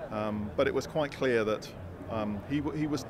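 A man is heard over noticeable background noise, the sound dry with no echo. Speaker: interviewee. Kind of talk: interview answer. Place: hall. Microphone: handheld.

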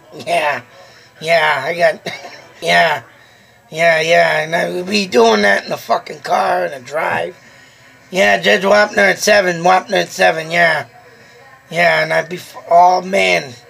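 A man speaks at a very slow pace with long, frequent pauses. Noticeable background noise runs underneath. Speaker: YouTuber. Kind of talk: casual vlog monologue. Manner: animated, laughs often; rambling, halting.

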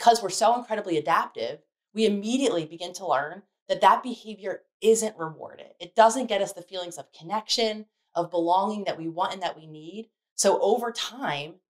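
A woman speaks at a fairly quick pace with ordinary pitch variation. Her loudness swings widely against a quiet background. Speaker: psychology educator. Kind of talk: lecture. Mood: calm, warm. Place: home room.

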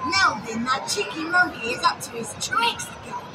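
Loud background noise runs under a cartoonish character voice delivered at a moderate pace. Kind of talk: children's puppet show. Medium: puppet show. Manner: excitable, flustered then showman-like.

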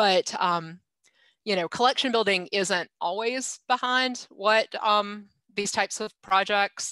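A woman speaks at a very slow pace with a bright, sharp tone, in a dry, close sound with no echo. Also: medium pitch for a woman, ordinary pitch variation, quiet background. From rural South Carolina. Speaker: archivist. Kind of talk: panel presentation.

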